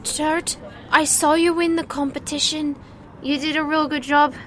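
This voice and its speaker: Woman voicing a shy, high-pitched little street urchin boy. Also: fairly even intonation, a bit bright, slight background noise. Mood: eager, respectful. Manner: polite, halting, timid. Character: small shy ragged poor dwarf-like child, a boy.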